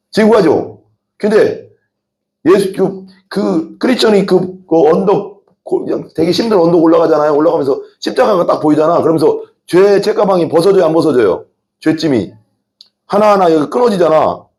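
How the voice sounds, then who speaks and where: A male pastor delivers a sermon and keeps tossing questions to his congregation. His voice is gravelly and his pitch moves about a lot. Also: normal speed. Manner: lively, asks the congregation questions.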